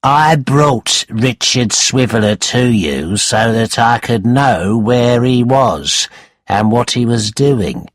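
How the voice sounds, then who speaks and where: A man's voice: mid-range voice, lively intonation, slow, no room sound. A man reading a storybook aloud, voicing a cunning, spiteful male schemer who talks in a sly, mocking, commanding way.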